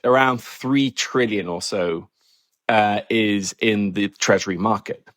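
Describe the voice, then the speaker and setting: Measured Norwegian-born journalist, low voice. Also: male voice, a bit bright, no room sound, studio quality. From Norway. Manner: thoughtful, measured, wry. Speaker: journalist and guest. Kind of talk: interview answers.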